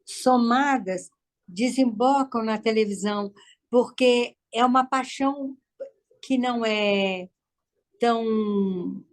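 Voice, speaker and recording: A woman with a Brazilian accent speaks in a somewhat high register. She takes part in an informal discussion, putting questions to others and offering reflective comments in a conversational style. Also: darkish tone. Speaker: participant questioning and commenting to guests.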